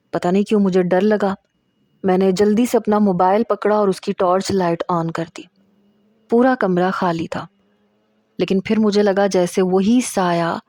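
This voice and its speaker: A woman's voice: mid-range voice, mellow, no room sound, clean studio sound. A woman narrating a suspenseful first-person story in a tense telling.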